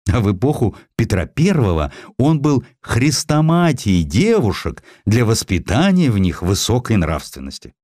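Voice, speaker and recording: A man playing an earnest, burdened historian officer, measured and reflective, in a dramatized audiobook. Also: fairly low pitch, very animated, a little mellow, dry recording, clean studio sound, voice pushed up. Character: earnest, burdened male historian colonel, polite and candid.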